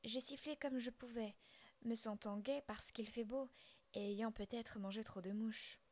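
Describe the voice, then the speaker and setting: A woman's voice: a little high, steady tone, measured pace, a little mellow. A woman voicing a young white blackbird daughter in a whispered role-play, pleading and wounded. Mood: humble. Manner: pleading, then rebellious.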